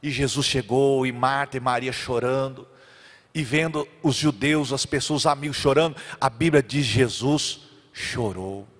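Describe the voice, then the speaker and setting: A man preaching a sermon as pastor, dramatically acting out biblical characters and swinging between loud and quiet. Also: fairly even intonation, normal speed, in a large hall. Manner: dramatic, acts out biblical characters with big swings in pitch and volume.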